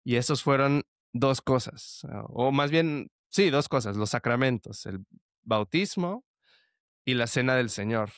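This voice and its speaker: Guy sharing his faith story on a podcast, smooth voice, dry close mic. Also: medium pitch, lively intonation, measured pace, no echo. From El Salvador. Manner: earnest, with frequent restarts and fillers like "este". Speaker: guest. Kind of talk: conversational testimony.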